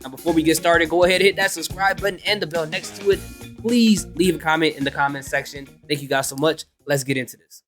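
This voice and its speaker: A man's voice: fairly high pitch, over music. A man hosting a reaction video, chatting casually and laughing as he jokes along. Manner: laughs a lot, quick joking asides.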